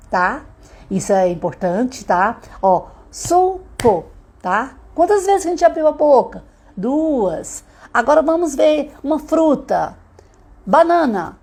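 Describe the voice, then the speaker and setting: This literacy teacher, a woman with a Brazilian Portuguese accent, leads a live online class for mothers, talking straight to them and breaking words into syllables slowly. Her pitch is fairly high, and her tone is darkish and husky.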